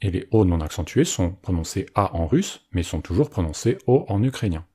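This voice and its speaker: A man narrating a scripted language lesson as its teacher, with a clear, explanatory delivery. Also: low voice, very animated, normal speed, dark tone.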